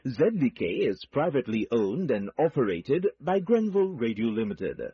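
A man's voice: medium pitch, sing-song, normal speed, slightly rough, no echo. A man making a formal radio station identification announcement, heard as an archival clip played back over AM radio. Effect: heard over AM radio broadcast. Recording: muffled lo-fi radio clip, dry.

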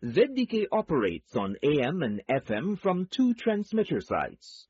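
Man, radio announcer, heard over AM radio, lively swooping pitch, husky tone, dull lo-fi dry sound. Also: unhurried, dry recording. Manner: formal, announcer-like delivery. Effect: heard over AM radio broadcast. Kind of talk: station identification announcement. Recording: muffled lo-fi radio clip, dry.

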